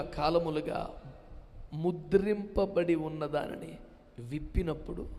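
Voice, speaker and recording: A male pastor preaching a sermon, animated and dramatic, acting out quotes in his talk, with a Telugu accent. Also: a little high, in a large hall, slight background noise.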